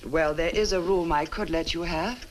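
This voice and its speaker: An actress playing a sinister woman innkeeper in a 1960s horror film, speaking formally and with measured courtesy. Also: on the low side, lightly acted. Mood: cool, formal. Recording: noisy old film soundtrack.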